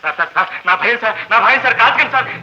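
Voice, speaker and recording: A man's voice: very high voice, lively intonation, very noisy. An actor playing a cheeky driver who teases his boss in a mock-polite tone. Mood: teasing. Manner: teasing, quick, mock-polite. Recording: dull old film soundtrack.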